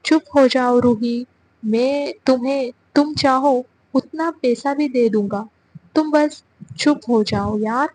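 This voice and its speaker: A woman doing a brash young hero: gruff, quick to anger, storybook audio drama, voiced a bit high. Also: darkish tone, low-quality recording. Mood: pleading. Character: brash short-tempered young man, the hero.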